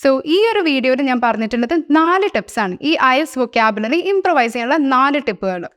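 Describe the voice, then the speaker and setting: A woman's voice: high-pitched, expressive, a little fast. A young woman with a Malayali English accent, teaching an exam-prep lesson and switching between Malayalam and English. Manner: mixes Malayalam with English phrases. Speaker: language trainer. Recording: soft music underneath.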